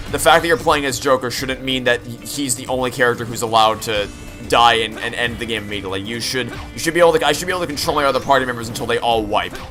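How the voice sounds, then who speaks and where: A man's voice: mid-range voice, bright, forceful tone. A young man giving casual, opinionated, rambling commentary as he plays through a video game. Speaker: video game playthrough streamer. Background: game music.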